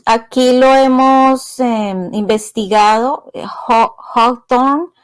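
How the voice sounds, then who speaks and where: A woman's voice: a little high, takes it slowly, clean tone, no room sound. A woman co-hosting a podcast interview, adding short supportive remarks.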